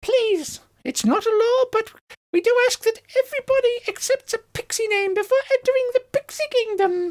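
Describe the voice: This put-on character voice is squeaky and extremely high-pitched. It moves at a moderate pace.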